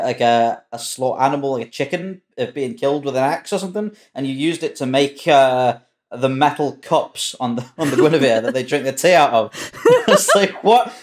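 A man's voice: mid-range voice, a little mellow. A man chatting casually at a roundtable, sounding amused as he talks. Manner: amused, laughs through his remarks.

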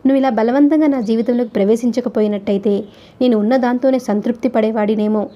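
A woman reading the lines of an earnest, protective young husband in a gentle but firm, low voice. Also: fairly even intonation, fast talker, lo-fi sound, natural voice. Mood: resolute.

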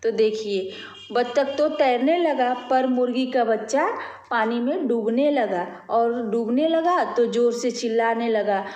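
A patient woman teacher reads a picture story to small children and explains it with simple questions. She speaks very slowly, in a slightly high voice. The room around her rings with a noticeable echo. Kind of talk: reading a storybook lesson to young children.

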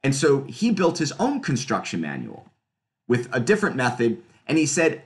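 A middle-aged man talks through his slides on a webcam video call from a room at home. His pitch moves a lot, rising and falling as he explains. He speaks casually, with fillers and quick self-corrections. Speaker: physics researcher presenting.

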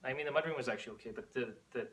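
A man's voice: mid-range voice, rapid-fire, a loud crowd. A man in his thirties giving short, laid-back replies with hesitations as co-host of a home vlog, sitting back from the camera. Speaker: co-host, husband. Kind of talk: casual chat. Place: living room at home. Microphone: camera mic a few feet away.

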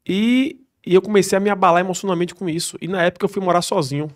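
Fast-talking man telling his story. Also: sits high, steady tone. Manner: emphatic, swears freely, acts out quoted dialogue. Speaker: podcast guest, police soldier. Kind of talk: emotional personal storytelling.

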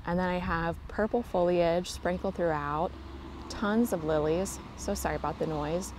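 A woman's voice: fairly low pitch, steady tone, normal speed, slight background noise. A woman giving a casual, enthusiastic walking tour of her home garden, filming on a handheld phone outdoors. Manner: gentle, enthusiastic, chatty. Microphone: handheld phone camera, filming while walking. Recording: faint outdoor ambience.

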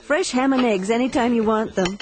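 An actress playing a frightened, wistful young wife on the run in a radio drama. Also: female voice, on the high side, brisk, natural voice. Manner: hesitant, wistful. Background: music.

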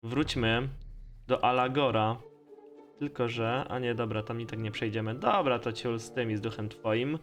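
A man's voice: medium pitch, moderate pace, faint music behind. A man with a Polish accent giving casual, slangy, mildly profane gaming commentary as host of a let's play. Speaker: gamer hosting a let's play series.

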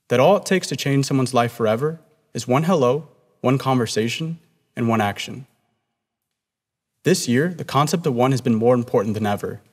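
A young man, the student body president, delivering an earnest, prepared commencement speech at a podium on stage. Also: mid-range voice. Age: young adult. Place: stage with podium and red curtains. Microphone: podium mic. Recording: long hall reverb.

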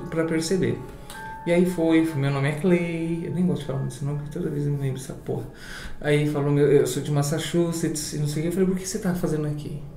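A man with a Brazilian Portuguese accent, telling a story casually in an interview, animated and swearing. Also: a little high, gravelly, echoey room. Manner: animated, swearing, acts out voices in his story.

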